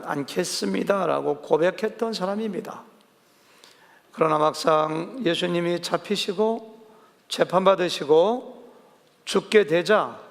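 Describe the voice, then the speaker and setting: Man, pastor, conversational sermon, gravelly, echoing church hall. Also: fairly high pitch. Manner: conversational, asks the congregation questions; acts out quoted dialogue vividly. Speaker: senior pastor. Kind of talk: sermon with congregation questions. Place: church sanctuary. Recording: church sanctuary with long reverb.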